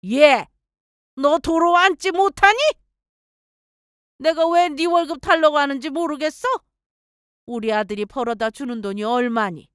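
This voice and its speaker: A woman's voice: a little high, normal speed, smooth, dry recording, lightly acted. A woman voicing a domineering middle-aged mother-in-law who scolds imperiously, in a dry, close storytelling recording. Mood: scolding.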